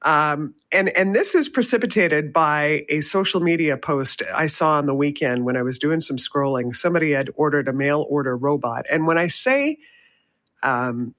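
A woman's voice: deep voice, a bit bright. A woman guest-hosting a talk radio show, chatty and upbeat, sounding nasal from a summer cold. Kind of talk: casual talk radio chat.

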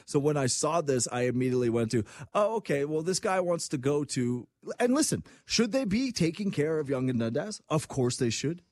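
A man's voice: a little high, a little fast, no room sound. A man hosting a sports talk show, chatting casually and acting out the voices he quotes. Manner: animated, acts out quoted voices. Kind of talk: casual chat.

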